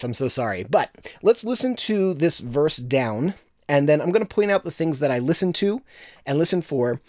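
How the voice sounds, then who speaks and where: A man with a bit of gravel in his voice, teaching vocal production in a casual, self-deprecating tutorial on a studio microphone. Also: medium pitch, dry recording. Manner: relaxed, self-deprecating explainer.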